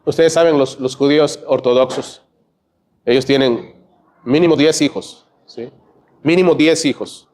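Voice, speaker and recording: A man with a Peruvian Spanish accent preaching a church sermon, peppering his points with quick "¿ve?" and "¿no?" asides to the congregation. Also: mid-range voice, darkish tone. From Peru. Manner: conversational preaching, frequent "¿ve?" and "¿no?" asides. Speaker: pastor. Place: church sanctuary.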